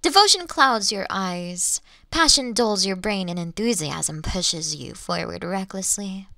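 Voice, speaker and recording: A woman playing an ancient, elegant monster in a Victorian fantasy audio drama, teasing her hunter in archaic, formal phrases with lingering pauses. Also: mid-range voice, lively intonation, gravelly, sharp tone, dry recording, studio quality, full character voice. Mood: taunting. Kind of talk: slow theatrical roleplay monologue in Victorian fantasy audio drama.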